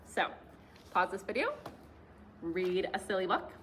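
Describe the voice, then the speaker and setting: Young librarian lady doing a kids class video, slow sing-songy talk, bright voice, bit of background hiss. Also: mid-range voice, lively intonation. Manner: cheerful, slow and sing-song for small children. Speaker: children's librarian. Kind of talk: children's class video, reading and singing.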